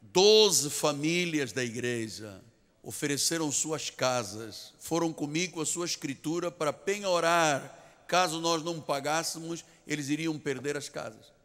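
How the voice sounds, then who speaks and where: A man's voice: fairly high pitch, unhurried, a bit bright. A man with a Portuguese accent preaching a sermon as pastor, telling a story with emphatic repetition of key phrases. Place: large church sanctuary. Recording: long church reverb.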